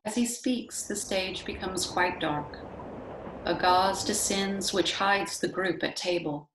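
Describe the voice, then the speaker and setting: A woman's voice: mid-range voice, slow pace. A woman narrator reading stage directions from a script in a plain scripted style. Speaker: narrator, library staff. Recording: echoey room with background noise, clicks.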